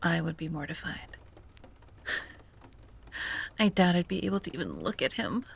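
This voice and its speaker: A woman playing a wistful, self-doubting young sea-witch in an ASMR roleplay, speaking softly and breathily with hesitant musing and frequent drops to a whisper. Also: on the low side, very animated, unhurried, full character voice. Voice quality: breathy, often dropping to a whisper. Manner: hesitant, musing, sighing, gently playful. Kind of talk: ASMR roleplay, soft intimate monologue.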